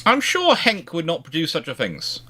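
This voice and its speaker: A man hosting a casual question and answer chat on naval history, talking haltingly and often circling back to rephrase. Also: on the high side, huge pitch swings, pushed and bright. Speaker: live Q&A host answering viewer questions.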